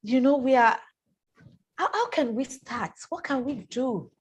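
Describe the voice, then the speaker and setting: A woman hosting a live online talk, speaking warmly and haltingly, often repeating words as she thinks. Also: sits high, lively intonation, muffled recording, slight background noise. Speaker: host.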